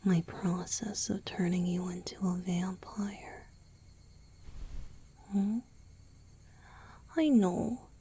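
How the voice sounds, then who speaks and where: A woman playing a gentle, doting young male vampire boyfriend in a romantic ASMR roleplay, speaking softly and tenderly, mostly in a breathy whisper. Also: on the low side, steady tone, extremely slow, pauses often, a little hiss or hum. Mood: tender, apologetic. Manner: tender, attentive, softly reassuring.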